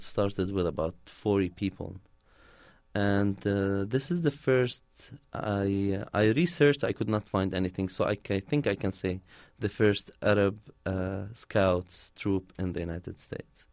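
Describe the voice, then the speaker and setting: Low-voiced man, close dry sound. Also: measured pace, darkish tone, dry recording. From Palestine. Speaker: interviewee, community organizer. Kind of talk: conversational interview answers, telling personal stories.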